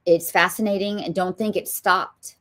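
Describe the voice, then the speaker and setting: A woman's voice: on the low side, steady tone, normal speed, a bit bright. A woman with a Southern US accent, hosting a political talk show and speaking emphatically, with frequent ums. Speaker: show host.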